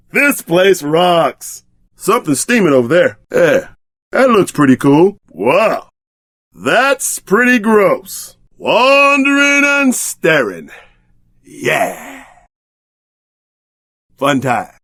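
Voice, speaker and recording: Tough video game buddy, brash, slangy, loyal, very lively intonation, dry close recording. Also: male voice, fairly high pitch, very slow, long pauses, dry recording, full character voice. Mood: bored, wry. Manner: slangy, streetwise, expressive.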